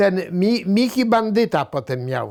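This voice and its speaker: The recording is very clean, with a silent background. A man speaks very slowly at a fairly high pitch, with very wide pitch swings. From Warsaw, Poland. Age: 80s+. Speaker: war veteran. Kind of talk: testimony. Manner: halting.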